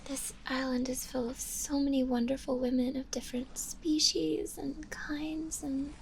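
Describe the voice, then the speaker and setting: A woman voicing a shy, gentle undead zombie girl in an ASMR roleplay, speaking softly and breathily in a hesitant, bashful way, often in a whisper. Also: high voice, little pitch movement, gravelly, slight background noise. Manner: hesitant, bashful, halting with small giggles.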